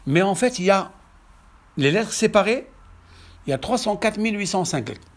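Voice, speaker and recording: A man with a French accent, a rabbi giving a lively Torah lecture to a congregation, swinging from hushed asides to emphatic exclamations and checking whether his listeners follow. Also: high-pitched, moderate pace. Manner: asks the audience questions to check understanding. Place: synagogue hall.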